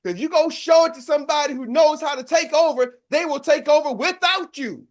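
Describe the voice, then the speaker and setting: A man in his sixties giving an energetic motivational talk as a sales coach, calling out to a live audience and repeating slogans. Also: very high voice, brisk.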